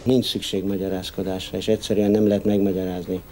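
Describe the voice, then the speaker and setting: Hungarian male interviewee, mellow low voice, formal and measured, faint music. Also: flat delivery, slight background noise. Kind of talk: measured post-match interview.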